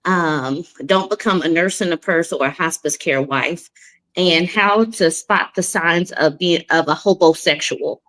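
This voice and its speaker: A woman in her mid forties co-hosting a casual live chat, talking in a relaxed way with frequent ums and catchy phrases. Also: on the low side, a little slow. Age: 40s. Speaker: co-host.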